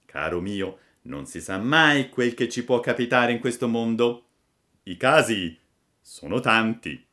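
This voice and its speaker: A man voicing a patient, kindly old woodcarver who lectures gently and slowly. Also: mid-range voice, lively intonation, voice pushed up. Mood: gentle.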